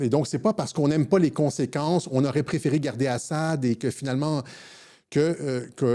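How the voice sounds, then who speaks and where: Dark, mellow tone from a man with a fairly high pitch, on a very clean recording with a silent background. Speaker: political commentator. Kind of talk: political commentary monologue. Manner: fast.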